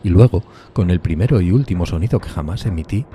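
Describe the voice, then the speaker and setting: A man's voice: sits low, fast talker, dark tone, slight background noise, close to an everyday voice. A man playing a lonely, horrified undead outcast who tells his tale in a solemn, anguished, theatrical horror audiodrama style, drawing out emphatic words. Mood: fearful, tense. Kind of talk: dramatic gothic horror audiodrama narration.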